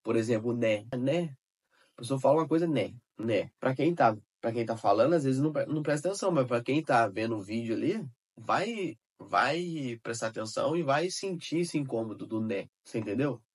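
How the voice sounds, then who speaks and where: A man with a husky, slightly breathy voice speaks to the camera in a relaxed, informal way. He, repeats his points and keeps asking whether the listener follows. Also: medium pitch, brisk. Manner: informal, repeats himself, asks listener if they understood. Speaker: digital marketing creator. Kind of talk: casual direct-to-camera advice.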